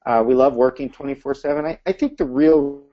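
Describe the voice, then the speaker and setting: A man coaching a group over an online call, energetic and asking his listeners questions, his audio clipped and breaking up. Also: medium pitch, a little fast. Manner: energetic, asks the audience questions. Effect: clipped, breaking-up call audio fading in and out. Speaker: real estate coach hosting a group call. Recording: dull lo-fi online call line.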